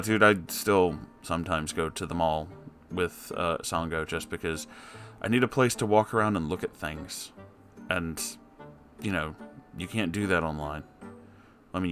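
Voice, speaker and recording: Low-voiced man reading stories over music. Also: bright, forceful tone. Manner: conversational, wry, reacting to the story. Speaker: host reading a submitted story. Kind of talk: story reading with casual asides.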